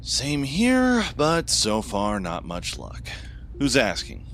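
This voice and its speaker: An actor playing an engrossed, wry male scientist in an audio drama, joking and self-deprecating, excitable about his discovery. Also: medium pitch, takes it slowly, a little hiss or hum, full character voice. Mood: wry, friendly.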